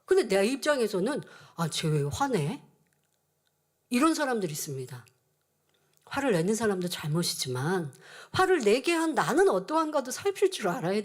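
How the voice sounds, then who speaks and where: A woman preacher giving an earnest sermon and acting out quoted dialogue in changing voices. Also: a little high. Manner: earnest teaching tone.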